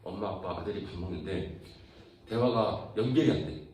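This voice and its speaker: Low, mellow preacher in an echoey hall. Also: male voice, normal speed, recorded from a distance. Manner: keeps asking the audience questions; acts out family dialogue in lively put-on voices. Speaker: youth preacher. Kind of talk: conversational sermon to teenagers. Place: large church hall. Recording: very echoey hall, voice heard from afar.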